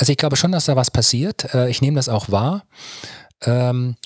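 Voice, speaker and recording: A man's somewhat breathy voice with ordinary pitch variation, dry and close with no echo. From Swabia, southwest Germany. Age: 50s. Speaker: public agency executive. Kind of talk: interview conversation. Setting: studio. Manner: hesitant with many fillers.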